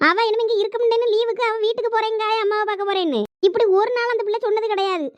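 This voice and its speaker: Shrill fast-talking village mom, bossy, thoothukudi accent, dry sound, a woman doing it. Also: steady tone, no room sound, dull audio. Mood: scolding. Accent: Thoothukudi Tamil. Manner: scolding, domineering. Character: scolding village mother, bossy and loud. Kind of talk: village comedy skit.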